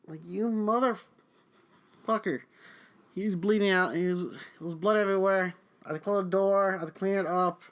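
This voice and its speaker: His voice sits high and a bit bright as this young podcast host launches into a foul-mouthed rant about work. He vents with anger and swears heavily throughout the monologue.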